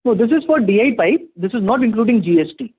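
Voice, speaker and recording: A man's voice: sits high, lively intonation, slightly rough. A man with an Indian accent, a company executive answering analysts' questions in a businesslike way, heard over a conference call phone line. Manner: quick, businesslike, mixes in hesitations.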